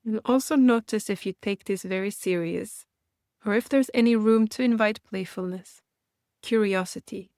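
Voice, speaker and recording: This woman guides a meditation with soft, instructive phrasing, her pitch typical for a female voice. She sounds reassuring and takes her time, letting calm gaps fall between lines. The audio is quite dry, with hardly any room sound.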